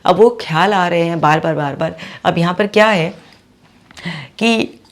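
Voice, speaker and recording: A woman's voice: fairly low pitch, measured pace. A woman psychologist explaining a patient's case in a video lesson, voicing the patient's thoughts and repeating key points. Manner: explains with quoted inner thoughts and repetition.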